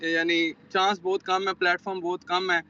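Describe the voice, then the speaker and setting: Bright-voiced young man with a sore throat. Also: high voice, little pitch movement, normal speed, highs cut off. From Pakistan. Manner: earnest, peppered with "like" and English words. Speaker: aspiring singer guest. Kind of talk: casual chat on a TV morning show. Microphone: remote link.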